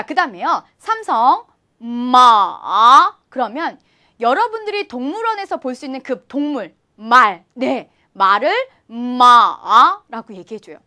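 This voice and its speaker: A woman's voice: sits high, sharp tone. A young woman teaching an online Chinese lesson, friendly and encouraging, often asking her viewers questions.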